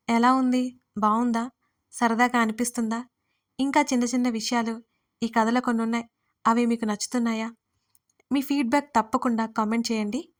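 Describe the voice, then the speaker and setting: A woman narrating a serialized audio story, reading in a steady, measured way and speaking directly to listeners at the end. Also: fairly high pitch.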